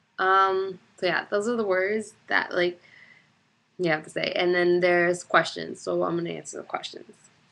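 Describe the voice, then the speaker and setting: At a moderate pace, a woman speaks with a slight Rhode Island accent. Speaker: vlogger. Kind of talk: reading word list; casual vlog.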